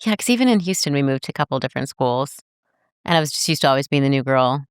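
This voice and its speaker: A woman's voice: a bass voice, expressive, quick pace, smooth, dry recording, clean studio sound. An American woman guesting on a podcast, telling her story casually and acting out voices from her anecdotes. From United States.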